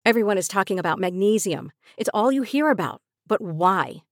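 A woman's voice: mid-range voice, lively intonation, fairly quick, no room sound, studio quality, soft background music. A woman reading a scripted advertisement in a persuasive sales delivery. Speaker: ad reader.

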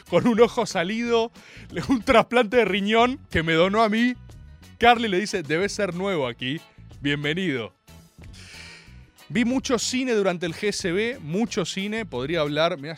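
A man with an Argentine accent hosting a comedic live chat show, joking and talking straight to his audience. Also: high-pitched. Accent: Rioplatense Spanish. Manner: animated and joking, addresses the audience. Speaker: host.

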